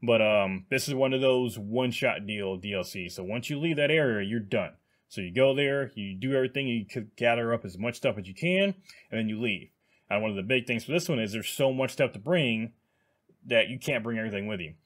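A man's voice: mid-range voice, brisk. A man hosting his gaming channel, chatting casually with many fillers and restarts. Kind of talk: casual video commentary.

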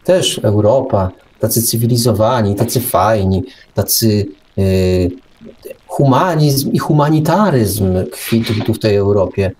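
A radio co-host and commentator with a lowish, unhurried, slightly mellow voice delivers an opinionated, sarcastic monologue on a talk show. He leans on emphatic rhetorical questions and repeated words, with a little background noise present.

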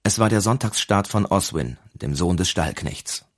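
Low, husky male audiobook narrator. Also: moderate pace. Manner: calm, even storytelling.

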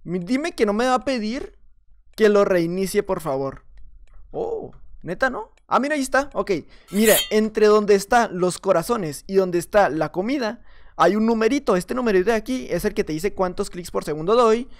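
A man's voice: high voice, animated, normal speed. A man with a Mexican accent giving casual, chatty commentary on his own gameplay, laughing at himself and muttering under his breath. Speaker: gaming video creator.

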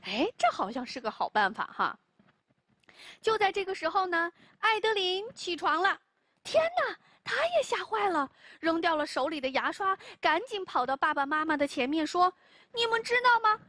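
Animated high-voiced woman storyteller. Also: no echo. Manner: animated, exclamatory, drawn-out. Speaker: children's TV storyteller. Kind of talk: storytelling for children.

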